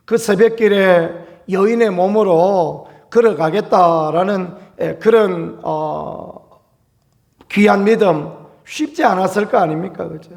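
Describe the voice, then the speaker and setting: A male pastor delivers an early-morning sermon. His voice sits high for a man and carries a gravelly rasp. He preaches earnestly and builds to emphatic calls. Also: measured pace, a little mellow. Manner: acts out quoted cries with raised voice.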